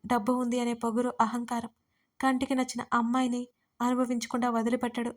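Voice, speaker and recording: Lady narrator doing a tearful young maid, begging quietly, kinda high voice. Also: completely flat delivery, fairly quick, close to an everyday voice. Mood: pleading. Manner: pleading, hushed. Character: frightened young woman servant, tearful.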